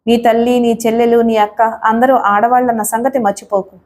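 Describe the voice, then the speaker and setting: A woman's voice: a little high, flat delivery, normal speed, a little mellow, a little hiss or hum, natural voice. A woman voicing a brave, righteous young male hero in an audio story, speaking in a firm, scolding way. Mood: stern.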